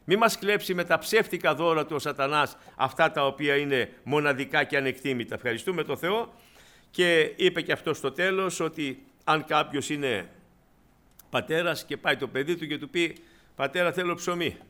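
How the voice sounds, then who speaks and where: Guy giving a sermon, slightly high voice, chatty storytelling, goes quiet and low for the big points. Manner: conversational storytelling, addresses congregation as brothers; voice drops low and quiet at moments of emphasis. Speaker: preacher.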